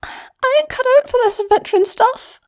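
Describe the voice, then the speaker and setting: A woman voicing a young, timid female goblin filly who babbles tearfully in a very high voice. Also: normal speed. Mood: sniffly.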